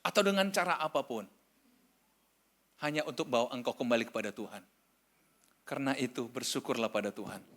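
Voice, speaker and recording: A male pastor in his sixties from Indonesia, preaching a sermon, moving from loud emphatic exhortation to quiet personal confession. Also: mid-range voice, fairly quick, pauses often. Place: church hall.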